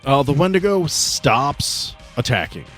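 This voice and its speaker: A man's voice: mid-range voice, sing-song, unhurried, fairly bright tone, soft background music. A man acting as game master, narrating a tabletop horror game in a conversational way.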